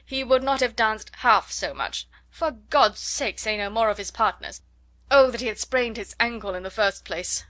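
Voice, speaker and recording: A weary, dry-witted older husband, as a woman reading aloud plays him, sounding impatient and exasperated. The voice stays bright and carrying, slowed in places for emphasis. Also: fairly high pitch, no room sound.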